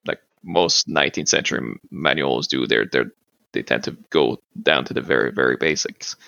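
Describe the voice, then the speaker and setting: Very deep gravelly man with a French first language. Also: normal speed, pushed and bright, no echo, dull audio. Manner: hesitant, many fillers and restarts. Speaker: guest, martial arts practitioner. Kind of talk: casual interview talk.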